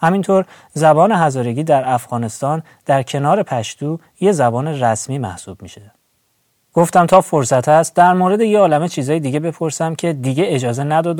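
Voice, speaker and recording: A man with an ordinary speaking voice talks at a fairly quick pace with fairly high pitch and lively intonation, in a dry, close recording with no echo. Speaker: podcast host. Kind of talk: scripted narration.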